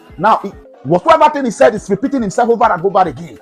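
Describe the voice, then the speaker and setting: A man talks very fast in a high voice with very wide pitch swings while music plays in the background. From Nigeria. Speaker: soldier. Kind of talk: impassioned political address to camera. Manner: emotionally charged.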